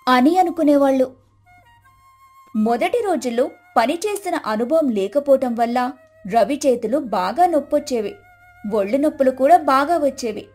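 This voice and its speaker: Female storyteller, high voice, scripted moral-tale narration over music. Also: expressive, normal speed, darkish tone.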